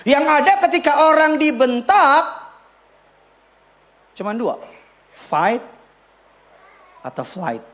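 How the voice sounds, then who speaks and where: A male pastor preaching a sermon in a church, repeating his points with emphasis and swinging between loud punches and quiet asides. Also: very high voice, very animated, slow pace, pauses often. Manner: emphatic, repeats key lines for the congregation.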